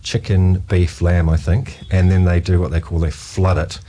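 A man recounting a food trip in a relaxed, animated storytelling way. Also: low-pitched, moderate pace. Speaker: guest. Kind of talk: storytelling chat.

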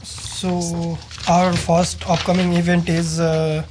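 A sous chef from Nepal explaining upcoming events, hesitant with many fillers. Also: male voice, on the high side, completely flat delivery, slow, noisy background. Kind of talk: interview answers.

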